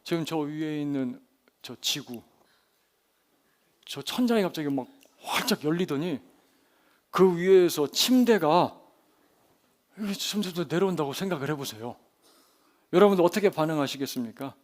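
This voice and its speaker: A pastor in a church preaches with a voice set slightly high for a man. He paints the scene vividly for his congregation and keeps asking them questions. His volume rises to near-shouts and drops back down. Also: expressive, moderate pace, pauses often. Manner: vivid storytelling, asks the congregation questions, big swings in loudness. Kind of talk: sermon. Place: church sanctuary during a service.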